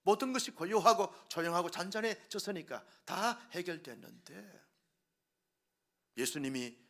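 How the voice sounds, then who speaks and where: A middle-aged male pastor preaching a sermon, telling the story with drama and acting out the voices, swinging from hushed whispers to loud exclamations. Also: high-pitched, expressive, unhurried, creaky.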